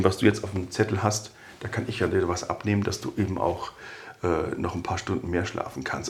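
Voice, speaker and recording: A man talking through personality types in a relaxed, conversational podcast style, adding anecdotes about former colleagues. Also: on the low side. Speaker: podcast expert on personality development. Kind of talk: conversational explanation.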